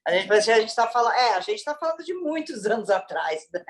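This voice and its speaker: A woman actress born in Italy and raised in Brazil, chatting in an interview as a lively storyteller full of exclamations. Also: fairly high pitch, brisk. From born in Turin, Italy, raised in Brazil. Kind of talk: casual interview chat.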